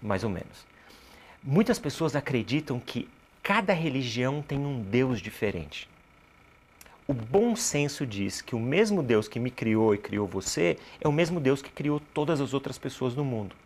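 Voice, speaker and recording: A Brazilian man gives explanatory answers as a guest in an interview. His pitch sits in a medium range. He builds his points like a teacher, posing questions and then answering them himself. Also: big pitch swings, unhurried. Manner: didactic, poses rhetorical questions and answers them. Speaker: interview guest, cultural producer and activist.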